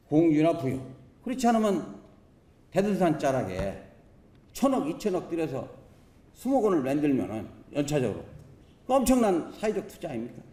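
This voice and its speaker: A man's voice: a little high, mellow. A man, a provincial council member delivering a questioning speech at a podium microphone, emphatic and fond of rhetorical questions and folksy sayings. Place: council assembly chamber. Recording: roomy chamber echo.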